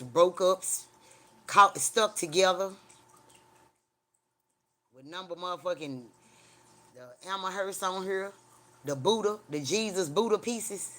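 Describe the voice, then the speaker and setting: Bright-voiced Southern Black-accented man, country talk. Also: high voice. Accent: Southern African American English, Mississippi. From Mississippi, USA. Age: middle-aged. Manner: rambling, profane, blunt country talk with repeated phrases. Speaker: livestreamer. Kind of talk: casual livestream chat.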